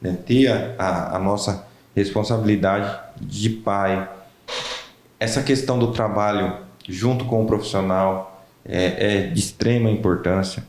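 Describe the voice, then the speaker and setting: A man hosting an interview podcast, relaxed and chatty, often tagging his sentences with little questions and joking about himself. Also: on the low side, measured pace, reverberant. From Brazil. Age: young adult. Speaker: podcast host. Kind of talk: casual interview chat.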